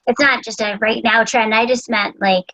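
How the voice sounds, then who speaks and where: A woman's voice: a little high, fairly even intonation, moderate pace, sharp tone, poor audio. A woman host and voice actor chatting casually, with a chatty way of talking full of "like" and "you know.". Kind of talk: casual interview chat.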